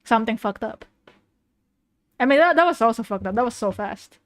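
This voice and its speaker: A woman's voice: a little high, expressive, fairly quick, slight background noise. A woman VTuber giving casual, exclamatory reaction commentary with informal swearing, recorded close in a dry room. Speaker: VTuber host.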